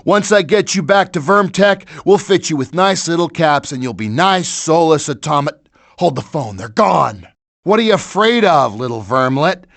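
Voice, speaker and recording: A theatrical pest-killer villain from a video game. He is pompous and obsessed, taunting with relish. His voice sits on the high side and he savors words slowly. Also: fairly bright tone. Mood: smug taunting. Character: villainous, pompous, theatrical male vermin exterminator, obsessed with killing animals.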